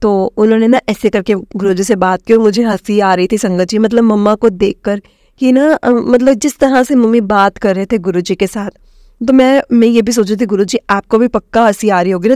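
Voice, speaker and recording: A young woman from Himachal Pradesh telling her personal testimony to a congregation, addressing them warmly and mixing in English words. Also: medium pitch, no room sound, studio quality. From Himachal Pradesh, India. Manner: addresses listeners as "sangat ji", mixes in English words. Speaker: devotee sharing a testimony.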